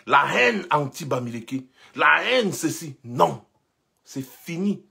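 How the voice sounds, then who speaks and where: A man's voice: fairly high pitch, sing-song, takes it slowly, vocal fry, pushed and bright, husky. A young man from Cameroon giving an impassioned monologue, rhetorical and insistent, repeating his points. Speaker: commentator.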